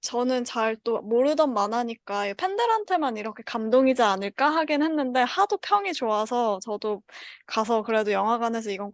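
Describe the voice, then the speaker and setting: A woman's voice: fairly high pitch, no room sound, clean studio sound. A woman in her thirties hosting a casual group chat. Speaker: podcast host. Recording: music playing behind the talk. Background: background music.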